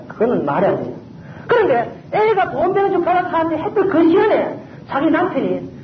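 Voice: sits high, roomy sound, lo-fi sound, slight background noise. A pastor delivering an emphatic sermon, often repeating key phrases for stress.

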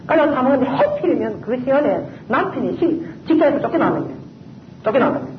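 Emphatic preacher with a swooping, lively delivery. Slightly muffled, echoey church recording. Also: high voice, slight background noise. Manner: emphatic, repeats key phrases. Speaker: pastor. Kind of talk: sermon.

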